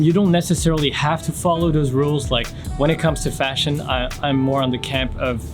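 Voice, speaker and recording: A young man from France answering viewer questions in a relaxed, casual vlog, reading each question aloud before answering at length. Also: mid-range voice. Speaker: fashion YouTuber. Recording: music playing underneath.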